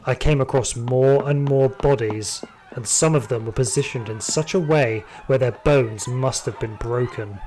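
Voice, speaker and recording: A man's voice: mid-range voice, unhurried, few pauses, a little mellow, slight background noise, natural voice. A man playing a hardened, trigger-happy security guard, telling his story in dramatic first-person audio drama narration. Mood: grim, fearful.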